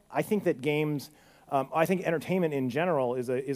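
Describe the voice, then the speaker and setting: A man is talking. His delivery is extremely quick. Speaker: game developer giving a conference talk. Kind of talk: conference talk. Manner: fast.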